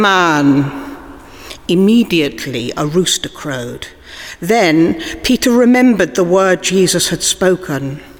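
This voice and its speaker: Speech at a very slow pace sits over noticeable background noise. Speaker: scripture reader. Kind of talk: reading aloud. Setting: church.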